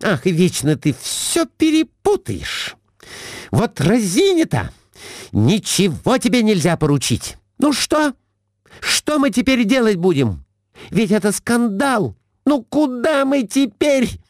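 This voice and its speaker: Man doing a shrill bossy wife. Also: sing-song, measured pace, darkish tone, no room sound, clean studio sound. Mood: scolding. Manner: nagging, shrill, peppered with broken French. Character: shrill scolding middle-aged wife, bossy.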